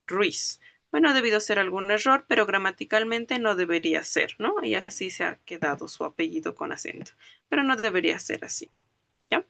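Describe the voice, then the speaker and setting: A woman's voice: on the high side, vocal fry, bright, forceful tone, no room sound. A woman teaching a language class, explaining rules step by step and checking that students follow. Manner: explains step by step, checks understanding with frequent questions; spells out words syllable by syllable. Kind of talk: online class lecture.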